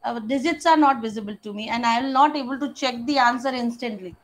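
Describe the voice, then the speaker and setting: A woman's voice: fairly high pitch, quick pace. A woman with a South Asian accent teaching an interactive maths class, prompting students with short step-by-step questions.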